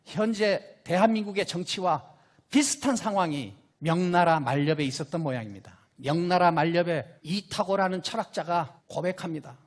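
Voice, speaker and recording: A man's voice: high voice, normal speed. A man giving an impassioned, emphatic rallying political speech, building rhetorical questions into rousing appeals. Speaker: political speaker and scholar.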